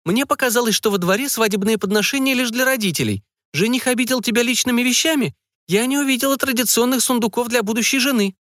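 A man voicing a fussy, excitable middle-aged mother who fires off anxious questions. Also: very high-pitched, fast talker, few pauses, no room sound, studio quality, voice pushed up. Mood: prying. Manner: fretful, breathless questioning.

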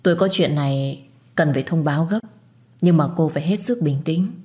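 A woman voicing a gentle young male surgeon. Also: sits low, brisk, lightly acted. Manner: calm, careful, consoling.

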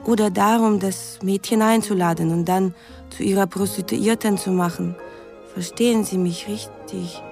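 A woman's voice: medium pitch, fairly even intonation, normal speed, vocal fry, warm tone, soft background music, close to an everyday voice. An actress playing an earnest young woman, carefully reading out her lovelorn letters in a radio drama. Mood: cautious, earnest.

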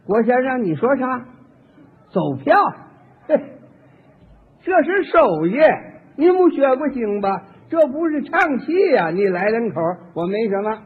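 A man's voice: very high voice, big pitch swings, unhurried, husky. A man performing a solo comic story, acting out both sides of each exchange. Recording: tinny archival radio recording with long hall reverb.

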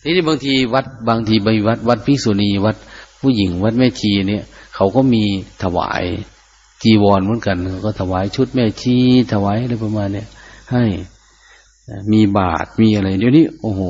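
An older man, a monk who teaches by chanting Pali lines and explaining them in plain speech. His voice is dark and mellow, caught on a muffled, lo-fi recording. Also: on the low side, moderate pace, slight background noise.

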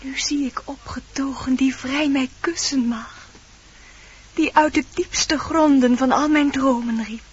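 A woman playing a gentle young fairy-tale bride in a radio play, declaiming verse lyrically and with care. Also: high voice, steady tone, measured pace. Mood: dreamy, awakening. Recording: dull old radio recording.

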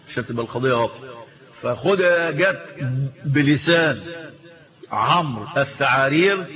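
Egyptian man teaching, muffled recording. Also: on the high side. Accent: Egyptian Arabic. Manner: teacherly, asks the listener rhetorical questions; drawls quoted words slowly for emphasis. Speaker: Islamic scholar teaching. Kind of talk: religious lesson lecture.

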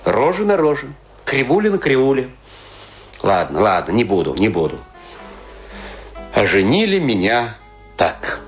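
A man's voice: medium pitch, huge pitch swings, unhurried, pauses often, faint music behind. A man playing a tipsy, self-pitying middle-aged washed-up actor, rambling confessionally in a theatrical radio play monologue. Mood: comic lament. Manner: rambling confessional, swinging between lament and mock pride.

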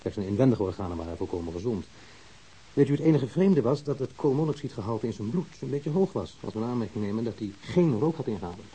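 A man playing a calm, matter-of-fact pathologist explaining findings in a Dutch radio drama. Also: medium pitch, quick pace, slightly rough, low-quality recording. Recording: hissy old radio drama recording.

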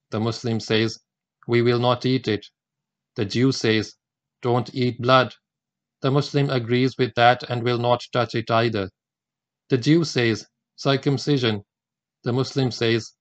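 A man, a Gujarati speaker, delivering a prepared religious lecture in a measured, deliberate way that counts off his points. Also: medium pitch, no room sound, highs cut off. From India.

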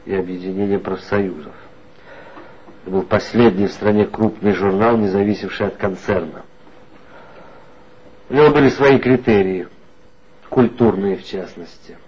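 An actor playing a guarded former reporter who answers in a measured, reflective way in a 1960s radio play. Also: male voice, fairly low pitch, darkish tone, slight background noise, natural voice. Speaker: former reporter being questioned. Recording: dull lo-fi old radio play recording.

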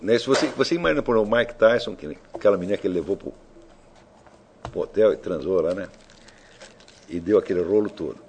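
A man's voice: deep voice, fast talker, long pauses, a little mellow, slight background noise. A man giving an informal lecture, provoking his listeners with rhetorical questions and casual swearing.

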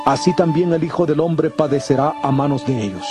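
Male actor, authoritative holy teacher, solemn declamation, slightly high male pitch, audio Bible drama, clear musical backing. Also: brisk, over music, natural voice.

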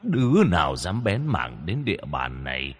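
Wheezing starved ghost, slow and sneering, very deep, put on by a male storyteller. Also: huge pitch swings, big-room sound, exaggerated voice. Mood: boastful. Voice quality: wheezing, whispery. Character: starving ghost of a man, groveling then menacing.

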